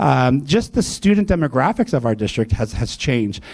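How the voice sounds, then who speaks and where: At a moderate pace, a man talks with very wide pitch swings and very even loudness. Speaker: school district superintendent. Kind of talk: speech. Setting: event hall with audience. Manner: halting.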